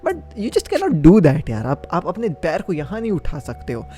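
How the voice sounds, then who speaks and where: A man's voice: sits high, wildly swooping pitch, measured pace, dark tone, faint music behind. Opinionated young man. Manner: chatty, opinionated, emphatic. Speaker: football video reviewer. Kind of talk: casual football match review.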